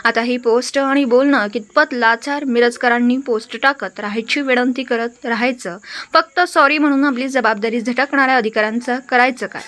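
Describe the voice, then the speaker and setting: A woman's voice: on the high side, steady tone, normal speed, fairly bright tone. A woman news reader earnestly reading out a resident's indignant complaint as a regional news report.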